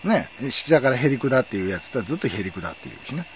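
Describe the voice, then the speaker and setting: A man's voice: mid-range voice, rapid-fire, muffled recording, a little hiss or hum. A middle-aged man telling a personal story in a wry, chatty way. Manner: wry, chatty, lively intonation. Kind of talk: casual storytelling monologue.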